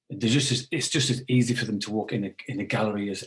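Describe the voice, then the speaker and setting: Somewhat breathy, a man talks at a fairly quick pace in a medium pitch. His intonation is fairly even. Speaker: artist and teacher. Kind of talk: interview. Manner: halting.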